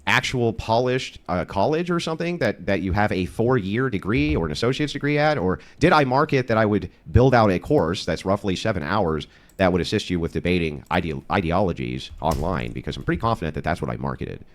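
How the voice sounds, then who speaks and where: Casting: male online debater, deep and very expressive voice, assertive and argumentative. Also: a little fast, few pauses. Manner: assertive, challenging, emphatic. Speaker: debater, online course seller.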